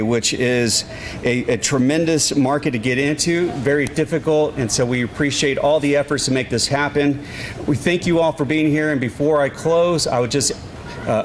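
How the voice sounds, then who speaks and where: A man speaking as an airport official at a press conference, explaining things in plain words. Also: mid-range voice. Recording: noisy event with background ambience.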